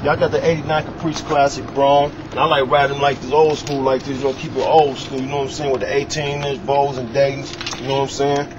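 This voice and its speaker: Fast talking american guy showing his car, slangy, noisy outdoor recording, kinda muffled. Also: medium pitch, level tone. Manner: repeats "you know what I'm saying" constantly. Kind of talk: casual slangy car showcase. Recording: dull sound, noisy outdoor ambience.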